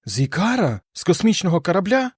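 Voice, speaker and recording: An excitable young woman in a science-fiction audiobook, as a male narrator puts her on, eager and loud. The voice sits well above his own and bubbles with exclamations. The dry, close recording leaves no room sound. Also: high-pitched, quick pace, slightly rough, no echo, voice pushed up, heavily acted. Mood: excited.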